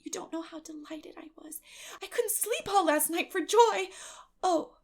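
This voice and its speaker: Storybook orphan girl, eleven: high-pitched, breathy, theatrical, eager and emotional. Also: a little slow, exaggerated voice. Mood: reproachful, wistful.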